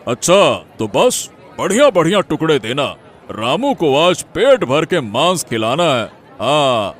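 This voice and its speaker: Laid-back cartoon village guy, slow lively talk, always half laughing, a man doing him. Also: a little high. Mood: jovial. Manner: chuckling, easygoing. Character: jovial male village householder, indulgent.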